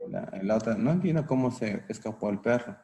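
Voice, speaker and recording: A man's voice: lowish voice, animated, fairly quick, mellow. A man answering a teacher's questions in class, thinking aloud as he explains his answers. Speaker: student.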